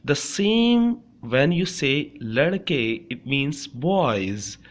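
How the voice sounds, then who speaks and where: A man's voice: on the high side, big pitch swings, slow pace. South Asian-accented man teaching a beginner language lesson. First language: Urdu. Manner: repetitive, frequently checking understanding with "okay".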